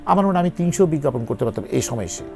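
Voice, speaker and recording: Earnest gravelly man. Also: on the high side, animated, very fast, darkish tone, faint music behind. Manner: earnest, emphatic, pleading. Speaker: actor guest. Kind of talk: interview conversation.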